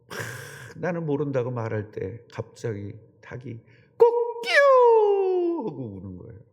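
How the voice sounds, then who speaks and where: A middle-aged man preaching a sermon as pastor, conversational and animated, often putting questions to the congregation. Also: medium pitch. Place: church sanctuary. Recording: long church hall reverb.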